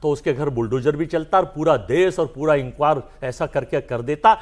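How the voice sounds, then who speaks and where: A man with a fairly high voice argues on a TV panel. He speaks loudly and keeps pressing his point over the interruptions. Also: normal speed. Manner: loud, insistent, keeps talking over others. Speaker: political panelist. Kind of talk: heated TV panel debate.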